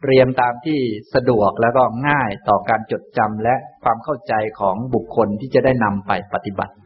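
A man, a Buddhist monk teacher, giving a calm, gentle dharma talk and answering questions. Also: medium pitch, slightly rough, muffled recording. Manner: calm, unhurried, gentle explaining.

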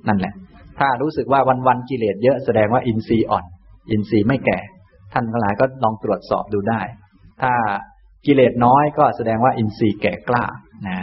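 A man, a Buddhist monk teacher, giving a calm, gentle dharma talk and answering questions. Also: lowish voice, muffled recording, slight background noise. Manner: calm, unhurried, gentle explaining.

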